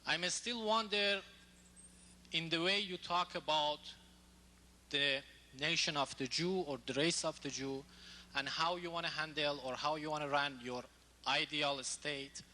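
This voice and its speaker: Man from Iran, audience questioner, halting, insistent, high voice, very sharp, long hall reverb. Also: steady tone. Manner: halting, non-native phrasing, insistent. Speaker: audience member asking a question. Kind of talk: heated question from the floor. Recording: echoey hall, from off-mic.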